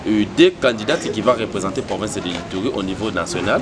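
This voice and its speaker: A man's voice: on the low side, quick pace, music in the background. A young Congolese man, a pageant organizer, answering interview questions with many fillers and restarts. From Democratic Republic of the Congo. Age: young adult.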